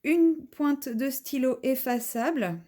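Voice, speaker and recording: A woman with a somewhat high, soft and mellow voice hosts a casual unboxing vlog at home. She chats as she walks through each item one by one. Her delivery is relaxed and conversational. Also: takes it slowly. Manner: chatty, describing each item as she unpacks it. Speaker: craft vlogger.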